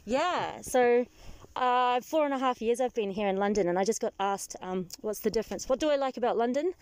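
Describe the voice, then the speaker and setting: A young woman from New Zealand with a Kiwi accent, chatting as a passenger and telling stories with lively asides. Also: on the high side, a little fast, clear, resonant tone, no room sound. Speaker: taxi rider guest. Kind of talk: casual chat. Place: in a moving car.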